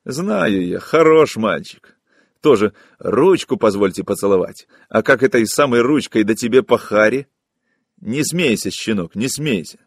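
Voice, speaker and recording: A man voicing a coarse, hostile young woman who mocks and scolds in shrill, harsh taunts. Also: lively intonation, a little slow, slightly rough, no echo, clean studio sound, exaggerated voice. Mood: mocking.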